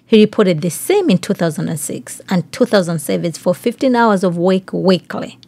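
A woman's voice: on the low side, lively intonation, normal speed, vocal fry, a little mellow, dry recording. A woman hosting a podcast, reading news aloud and commenting on it, putting questions straight to the listener. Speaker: podcast host.

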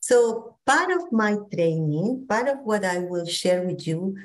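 A woman's voice: mid-range voice, expressive, unhurried. Peruvian woman presenting over video call. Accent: Peruvian Spanish. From Peru. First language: Spanish. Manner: warm, hesitant with many fillers and restarts. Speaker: psychologist presenter. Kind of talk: online training presentation.

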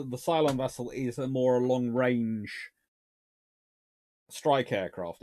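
Streaming casually from a compact room full of books, a man in his thirties who studies naval history takes questions from viewers. His voice sits at a medium pitch with a somewhat dark tone, and he thinks aloud, frequently restarting what he's saying.

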